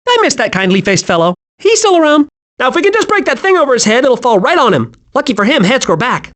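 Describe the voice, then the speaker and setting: A hyperactive young male cartoon squirrel for a video game. His voice sits very high and swings wildly up and down. He is childlike, naive and scatterbrained, always eager and cheerful. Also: sing-song, fast, a bit bright, heavily acted. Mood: earnest, scatterbrained. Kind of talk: animated video game voice acting.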